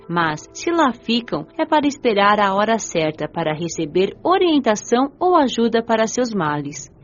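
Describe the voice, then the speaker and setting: A woman playing a gentle, devout young spirit who recounts the afterlife in measured, reflective radio drama narration. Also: medium pitch, highs cut off. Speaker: narrator and lead of an audio drama. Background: music.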